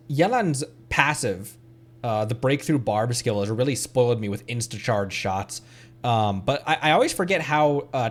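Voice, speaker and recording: A young adult man streaming a game, giving casual, rambling commentary with frequent giggles. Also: mid-range voice.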